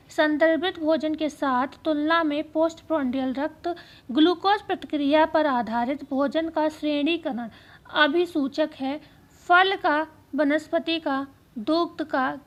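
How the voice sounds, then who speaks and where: A woman teacher going through exam questions, speaking slowly and repeating key phrases so students can write them down. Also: sits high, fairly even intonation. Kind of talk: exam-prep lesson.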